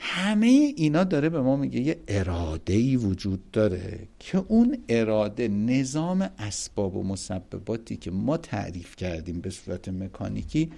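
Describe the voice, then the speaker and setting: Animated, gravelly-voiced male religious lecturer. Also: on the low side, few pauses. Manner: animated, emphatic, rises sharply on key points; recites Arabic quotations.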